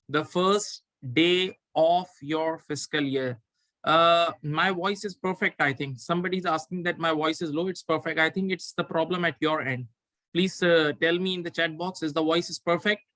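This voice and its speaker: A man's voice: on the high side, fairly bright tone, no echo, rough recording. A man teaching a live online exam revision class as an accounting tutor, instructing step by step and repeating key phrases for emphasis.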